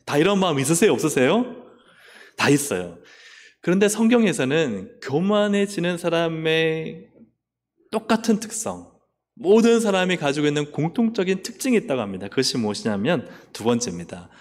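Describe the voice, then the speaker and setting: A man with a Busan accent preaching a sermon in a church. His voice sits somewhat high and moves in wide, animated swings as he questions his congregation. The sound carries a long echo from the sanctuary. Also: moderate pace. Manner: asks the congregation questions and acts out voices of Bible figures. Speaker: pastor. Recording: echoey church hall.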